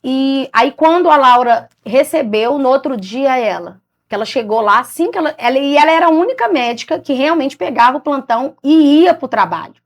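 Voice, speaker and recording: A woman's voice: high voice, a little fast, few pauses. A woman with a Brazilian Portuguese accent giving a faith testimony, recounting events animatedly and acting out what others said. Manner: animated, acts out others' lines in quoted speech; repeats "I said" and restarts as she recounts. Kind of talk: emotional storytelling.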